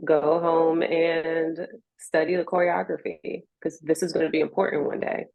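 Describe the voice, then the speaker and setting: A woman's voice: low-pitched, flat delivery, moderate pace, creaky, a little mellow, no echo, rough recording. An American woman in a reflective interview conversation, speaking in an earnest, encouraging way. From Richmond, United States.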